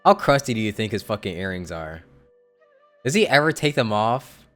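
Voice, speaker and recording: A man's voice: fairly low pitch, very animated, normal speed, a bit bright. A young man doing casual live commentary as a game streamer, slangy and irreverent. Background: game music.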